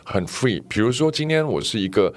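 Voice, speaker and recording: A man's voice: on the low side, a little fast. A man co-hosting a podcast, talking things through reflectively with everyday examples. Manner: reflective, explains with examples, lively inflection. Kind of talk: casual chat.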